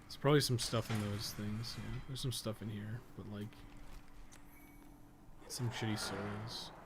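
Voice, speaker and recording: A man's voice: fairly low pitch, measured pace. Rambling man with noisy background. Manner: rambling, thinking aloud, swears casually. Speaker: podcast co-host playing a game. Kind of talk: casual gameplay commentary. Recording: clear steady background noise.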